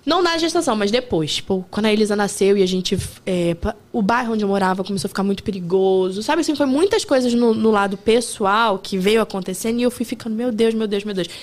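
A woman chatting candidly as a guest, telling stories quickly and openly. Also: medium pitch. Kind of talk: casual chat.

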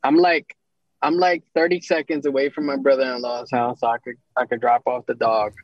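A man calling in to a casual sports chat, talking haltingly with many pauses. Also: medium pitch, little pitch movement, dry recording, dull audio. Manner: halting, many ums and restarts. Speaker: podcast co-host calling in.

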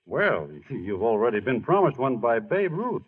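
In a 1940s radio drama, a man plays a modest, bashful baseball star, speaking plainly in a husky, medium-pitched, slightly sing-song voice at a somewhat slow pace. He sounds earnest, gentle and encouraging, hesitant and understated, through a muffled old broadcast.

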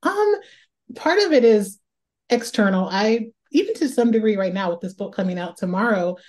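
A woman's voice: mid-range voice, lively intonation, moderate pace, a little mellow. A woman from Northeast Ohio, an author talking through her writing life in a reflective interview, often repeating words as she thinks aloud. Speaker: author guest.

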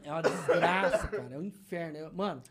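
A man in casual podcast chat, an animated storyteller who acts out shouts and quoted voices, with slangy filler tags. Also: on the high side, a little fast, heavy background noise. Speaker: guest.

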